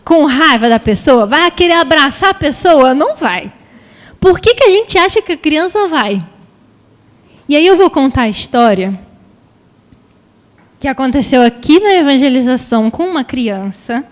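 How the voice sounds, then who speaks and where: A woman's voice: sits high, sing-song, normal speed, long pauses. A Brazilian woman giving a public talk on emotional education, speaking conversationally and putting questions to the audience. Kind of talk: public lecture with anecdotes. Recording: long hall reverb.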